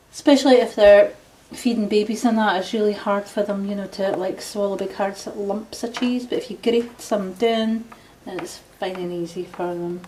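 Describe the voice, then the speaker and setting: A woman with a Scottish accent at a moderate pace, medium in pitch, fairly even in intonation, over noticeable background noise. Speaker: home video maker. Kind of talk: tutorial. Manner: casual.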